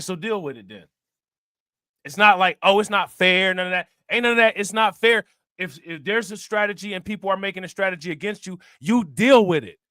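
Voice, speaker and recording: A man with a high, bright, sharp voice talks back at a news clip on his stream in loose, joking commentary. He laughs often and repeats his points for emphasis. The sound is dry and close. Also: no room sound. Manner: joking, laughing, repeats himself, reads chat shout-outs. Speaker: livestream host reacting to news clip. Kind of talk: casual reaction commentary.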